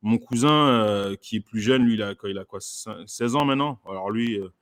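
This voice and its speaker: Talking briskly in a lowish voice, this male comedian guest chats casually. His speech is halting and full of fillers and restarts, broken up by frequent laughter.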